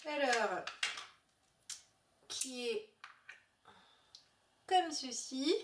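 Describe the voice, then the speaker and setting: A woman's voice: high voice, animated, extremely slow, echoey room, recorded from a distance. A woman chatting casually about beauty products she bought, hesitant with many fillers. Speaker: beauty vlogger. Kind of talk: casual haul video chat.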